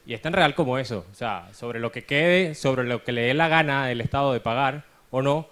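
A man with a Venezuelan accent speaks up from a conference audience. His voice is medium-pitched and his comment is spontaneous. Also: moderate pace, a bit bright.

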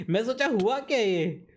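Gaming host, man, high voice, playful teasing banter, faint background noise. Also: animated, slow. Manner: playful, teasing, laughs often. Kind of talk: casual gameplay chat with a friend.

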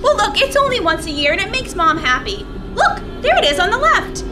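A woman's voice: extremely high pitch, very animated, a little fast. A woman acting a young sister in a radio play, pleading and scolding in fright. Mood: mildly annoyed. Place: theatre stage, live reading. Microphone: stand microphone. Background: music.

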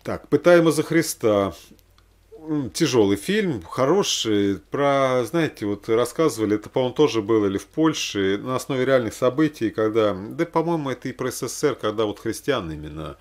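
A man speaking casually and ramblingly as he recommends things to watch, halting and repeating himself for emphasis. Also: mid-range voice, animated. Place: small room indoors.

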